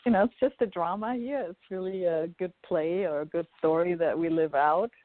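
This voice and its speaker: A woman from Germany, a guest on an online talk show, telling her story in a thoughtful, unhurried way. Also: lowish voice, no room sound. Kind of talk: casual interview talk. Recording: dry, phone-like call audio.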